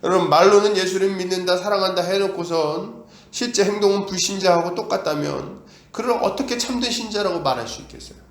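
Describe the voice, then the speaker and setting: He preaches briskly in a high voice, and the church gives it a roomy sound. He peppers the congregation with rhetorical questions while acting out the words of doubters and of God.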